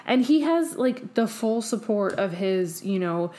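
Female podcast host, English as second language, medium pitch. Casual solo opinion talk, emphatic and gushing, lots of "like". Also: animated, measured pace, warm tone. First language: not English. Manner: effusive, emphatic, tangential, peppered with "like".

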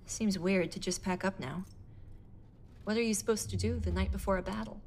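A woman's voice: medium pitch, fairly even intonation, fairly quick, darkish tone, a little hiss or hum, lightly acted. A woman playing a teasing, restless crew member in a naturalistic sci-fi audio drama. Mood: restless, wistful.

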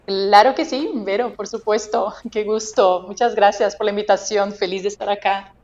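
A woman from Brazil speaking Spanish with a Brazilian Portuguese accent, an expressive, emotive podcast guest who laughs often. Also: medium pitch, normal speed, highs cut off. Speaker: consecrated laywoman, podcast guest. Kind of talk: casual podcast interview.

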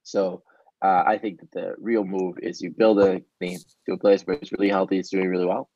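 A man's voice: low-pitched, level tone, fairly quick, mellow, no room sound, lo-fi sound. A man whose first language is Hebrew, a startup founder giving casual, earnest interview answers with frequent ums.

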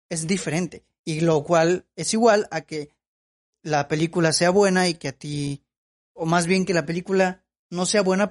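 A man giving opinion commentary as a film vlogger. He talks in an emphatic, lecturing way and repeats his points. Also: high-pitched.

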